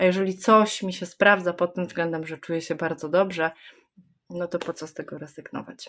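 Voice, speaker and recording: Speaking in a normal speaking voice, a woman keeps a fairly quick pace. Her pitch is fairly low and her intonation fairly even. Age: 30s. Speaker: network marketing distributor, mother of three. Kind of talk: testimonial.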